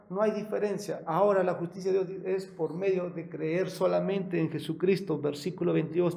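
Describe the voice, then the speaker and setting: A man pastor preaching a sermon in a conversational way, with self-corrections and frequent rhetorical questions, and louder emphasis on key words. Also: high voice, gravelly.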